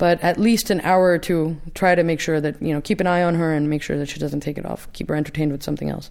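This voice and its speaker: A woman with a New York accent, very fast and fairly low-pitched. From New York City. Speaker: emergency doctor. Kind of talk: interview. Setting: in Karachi, Pakistan.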